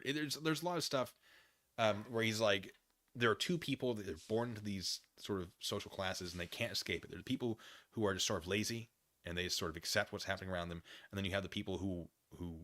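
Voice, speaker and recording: Forceful, low-voiced man musing aloud. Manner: musing, halting, often rephrasing and qualifying himself. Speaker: livestream host. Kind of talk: casual opinion monologue, answering chat comments.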